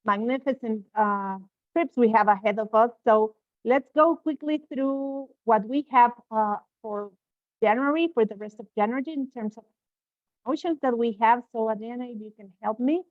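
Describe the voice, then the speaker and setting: A woman's voice: fairly high pitch, no echo. Woman on a tinny video call. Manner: quick, with frequent filler sounds. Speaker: host presenting promotions. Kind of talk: live webinar announcements. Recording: tinny, dry call audio.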